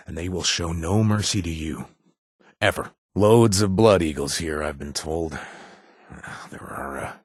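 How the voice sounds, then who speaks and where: A man's voice: deep voice, husky, no echo, studio quality, exaggerated voice. An actor playing a wry male wasteland bounty broker in a video game, laid-back and full of puns, with hesitant fillers between his lines.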